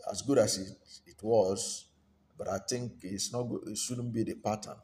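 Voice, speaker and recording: Low-voiced Nigerian man, halting commentary. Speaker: political commentator. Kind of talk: unscripted political commentary. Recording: steady background noise, room ambience.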